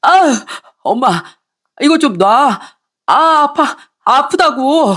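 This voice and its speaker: A woman's voice: high voice, lively intonation, takes it slowly, a bit bright, pitched above the performer's own voice, exaggerated voice. A woman voicing a flustered, cheating husband who pleads and dodges. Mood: pleading.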